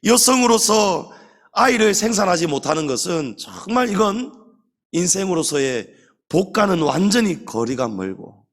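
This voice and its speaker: A man's voice: sits high, a bit bright. A man preaching as senior pastor at a Sunday service, emphatic and full of rhetorical questions to the congregation. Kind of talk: Sunday sermon. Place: church sanctuary during Sunday service. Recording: long church hall reverb.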